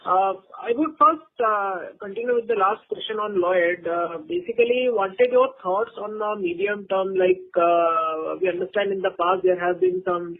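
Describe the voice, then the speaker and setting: A man's voice: high voice, expressive, moderate pace, creaky, few pauses. A man putting questions as an analyst on an earnings call, speaking over a phone line. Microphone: phone conference line.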